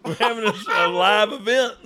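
A man's voice: high-pitched, normal speed. A man co-hosting casual comedic banter in a jokey, self-deprecating way, with some background noise. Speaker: co-host.

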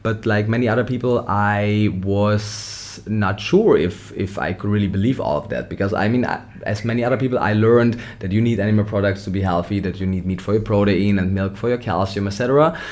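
A man's voice: fairly low pitch, fairly quick, few pauses, darkish tone. A young man from Austria, a native German speaker with an Austrian accent, answering interview questions thoughtfully, restarting his sentences often. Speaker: nutrition scientist guest.

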